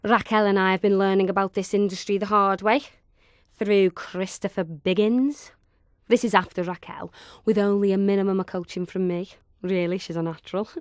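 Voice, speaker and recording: A woman's voice: medium pitch, steady tone, moderate pace, no room sound, studio quality, close to an everyday voice. A woman performing a comic monologue as a pompous, bitter showbiz type, florid, haughty and cutting.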